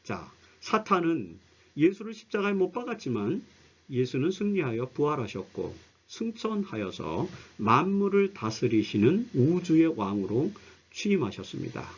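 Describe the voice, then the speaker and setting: A man gives an explanatory Bible lesson in a fairly high voice that rises and falls widely. He stresses key phrases like a teacher and lets sentence endings drop away. The recording is a little dull. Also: sing-song, normal speed, breathy edge. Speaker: Bible study commentary presenter. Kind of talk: explanatory religious lecture with scripture readings.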